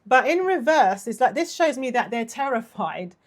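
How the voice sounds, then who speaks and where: This tarot reader, a woman in her thirties, speaks at a moderate pace in a sing-song, highish voice. She's casual, gushing and warmly affectionate with lots of laughter, though her voice is worn and she's losing it.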